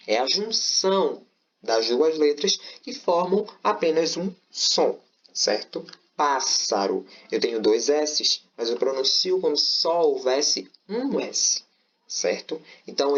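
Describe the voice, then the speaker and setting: A man's voice: a little high, fairly bright tone. A man teaching a grammar lesson online, explaining step by step and often checking in with his students. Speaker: Portuguese teacher. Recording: slightly dull, lo-fi audio.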